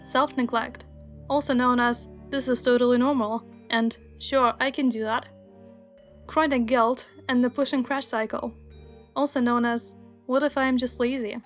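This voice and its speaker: A woman's voice: fairly high pitch, fairly even intonation, normal speed, faint music behind. A young woman whose first language is Russian, narrating a scripted video essay in an earnest, wry, explanatory way. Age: young adult.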